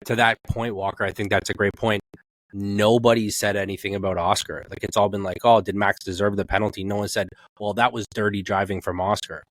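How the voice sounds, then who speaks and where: A man's voice: on the low side, little pitch movement, a little fast, no room sound, poor audio. A man co-hosting a podcast, chatting casually about sports in a colloquial, rambling way and slipping into imagined quotes. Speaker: podcast co-host.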